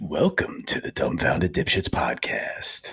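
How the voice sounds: Using a raspy, put-on character voice, a man talks at a moderate pace.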